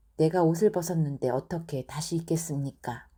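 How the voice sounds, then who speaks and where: In a very clean recording with a silent background, a woman with a dark, mellow tone and a fairly low pitch speaks somewhat breathily at a fairly slow pace, with ordinary pitch variation. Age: middle-aged. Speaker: Bible reader. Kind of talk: reading aloud scripture.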